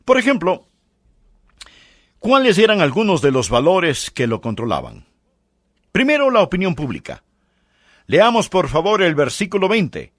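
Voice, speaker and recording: Man, preacher, sermon, emphatic questioning, animated pitch, dry close sound. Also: unhurried, pauses often, no echo.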